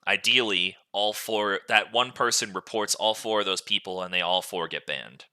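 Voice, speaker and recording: A man's voice: on the low side, normal speed, pushed and bright, clear, resonant tone. A man hosting a casual gaming podcast, explaining things at length in a rambling way. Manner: casual swearing. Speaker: podcast host.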